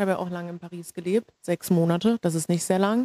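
The voice is a woman's, dark and mellow in tone. It is recorded dry and close, without echo. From Germany, Palatinate (near Ludwigshafen). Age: 20s. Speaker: podcaster and TikTok creator. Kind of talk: casual monologue.

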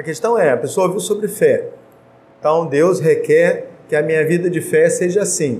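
Audible room echo is present. A man talks at a moderate pace. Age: 40s. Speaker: church teacher. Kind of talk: Bible study discussion.

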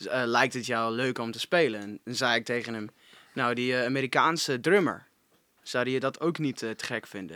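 This man speaks at a moderate pace and medium pitch with an English accent. His tone is bright and sharp. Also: ordinary pitch variation. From New Zealand. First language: English (speaking Dutch). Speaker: singer and trombonist. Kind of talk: casual interview.

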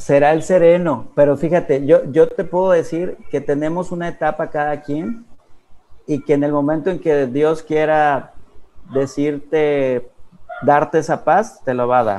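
A man speaks fairly slowly in an ordinary speaking voice. His pitch is fairly high, with ordinary variation. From northern Mexico, Linares, Nuevo León. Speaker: former Jehovah's Witness, youtuber. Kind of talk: testimony in live-stream interview. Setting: live stream, remote call.

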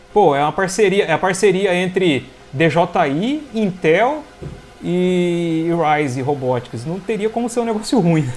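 Noticeable background noise runs through the clip. The speaker has lively intonation and a fairly slow pace. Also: man, high pitch for a man. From São Paulo state, Brazil. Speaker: drone youtuber. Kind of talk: casual interview.

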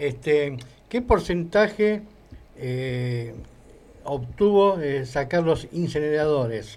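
Pausing long and often, a man with a fairly high pitch speaks at a very slow pace with lively intonation. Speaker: football commentator. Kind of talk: casual radio talk.

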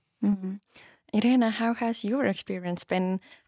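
A woman speaks at a moderate pace with fairly even intonation, in an ordinary speaking voice. The sound is dry and close, with no echo. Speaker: podcast host. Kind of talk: interview.

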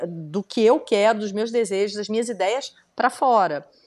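Captured in a very clean recording with a silent background, a normal speaking voice moves at a moderate pace with ordinary pitch variation. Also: woman. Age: 40s. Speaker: style consultant and content creator. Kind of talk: casual chat.

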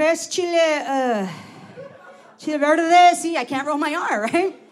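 Against noticeable background noise and audible room echo, a woman speaks in an energetic, animated tone. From Los Angeles, California (Mexican American). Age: 40s. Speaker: stand-up comedian. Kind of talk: club stand-up set, crowd work and family bits. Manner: energetic, animated, punchy delivery with laughs; slangy, brash, profane, crowd-addressing.

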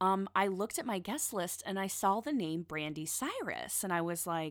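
A woman speaks loudly in an animated tone, her medium pitch carried by lively intonation. The recording is very clean, with a silent background. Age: 20s. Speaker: podcast host. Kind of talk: casual solo podcast monologue. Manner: loud, animated, chatty.

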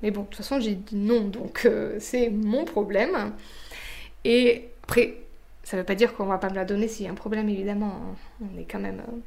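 With audible room echo, a woman talks at a fairly quick pace and medium pitch, her intonation fairly even, with big swings in loudness and long, frequent pauses. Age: 30s. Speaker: birth educator and podcaster. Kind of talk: casual interview, personal birth testimony.

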